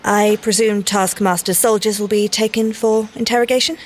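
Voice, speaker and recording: A woman's voice: mid-range voice, steady tone, moderate pace, slight background noise, close to an everyday voice. Woman playing a prim young English scientist agent. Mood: businesslike. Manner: polite, precise, gently wry. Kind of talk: audio drama dialogue.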